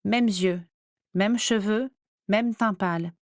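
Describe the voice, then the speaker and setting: A woman narrates a fantasy audiobook in a measured, clear storytelling voice at a middle pitch. Her reading is recorded dry and close. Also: dry recording. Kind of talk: scripted narration.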